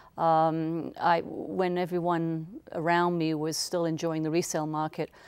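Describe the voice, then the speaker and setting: A woman speaks in an English accent at a fairly low pitch and a fairly slow pace. Her intonation is monotone and flat, and the recording is very clean with a silent background. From England. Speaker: real estate broker. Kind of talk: interview.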